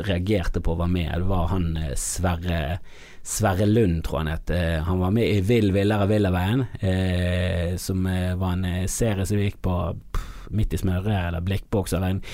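Ranting Norwegian man from Bergen. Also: sits low. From Bergen, Norway. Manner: ranting, exaggerated, swinging between loud outbursts and mutters. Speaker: comedian podcast host. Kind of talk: comedic monologue.

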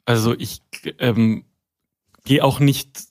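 A man, a guest author in a casual interview, talking in halting restarts with self-deprecating humor. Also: mid-range voice, fairly even intonation.

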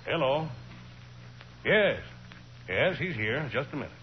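An actor playing a courteous, kindly older colonel who owns a ranch, genteel in a 1940s radio crime drama. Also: male voice, mid-range voice, big pitch swings, slow pace. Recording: muffled, noisy 1940s radio recording.

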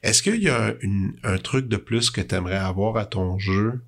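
A man's voice: lowish voice, normal speed, fairly bright tone. A Québécois man hosting an interview, asking long rambling questions with many stammers. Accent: Québécois French. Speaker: podcast host. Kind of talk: casual interview chat.

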